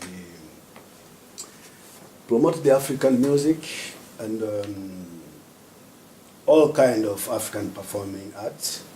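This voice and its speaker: Fields: Sex: man. Pace: slow. Style: panel talk. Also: lowish voice, mellow. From Tanzania. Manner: unhurried, searching for words with many pauses. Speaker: panelist, festival director. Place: symposium hall. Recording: roomy hall with background noise.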